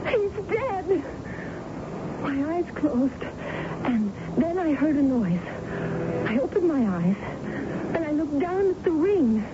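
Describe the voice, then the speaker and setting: An actress playing a frightened, haunted young woman in a 1970s radio drama, speaking in halting, broken phrases. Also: sits high, sing-song, full character voice. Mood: haunted, insistent. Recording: dull, noisy old radio recording.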